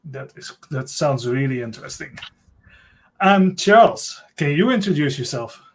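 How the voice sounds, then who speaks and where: A man hosting a live online talk, his voice sitting a touch higher than most men's. He greets viewers and hands over to guests with short, friendly questions, heard through a webcam mic on a video call from a room at home. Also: expressive, a little slow. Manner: friendly, brief prompting questions. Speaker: host. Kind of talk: casual livestream talk.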